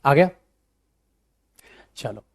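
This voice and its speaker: A man's voice: drawn-out words, no echo, studio quality. A man teaching a live spoken English class, chatty and repetitive, calling his students "beta". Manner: addresses students as beta, repeats himself, chatty and animated.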